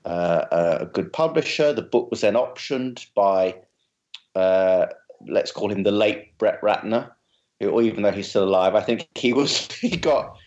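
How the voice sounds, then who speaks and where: A man's voice: on the low side, expressive, a little slow, darkish tone, lo-fi sound. A man from London with a posh, very proper southern English accent, chatting casually and wryly on a podcast. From London, England. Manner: very proper, well-spoken. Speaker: podcast guest, writer and comic character creator. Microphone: remote video call.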